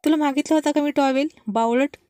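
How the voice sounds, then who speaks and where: A hot-tempered young husband with a fairly high, mellow voice, scolding and shouting, as a woman reads him. He is playful but quick to anger. It is a dry, close recording for a storybook. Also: fairly even intonation, no room sound, close to an everyday voice. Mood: angry.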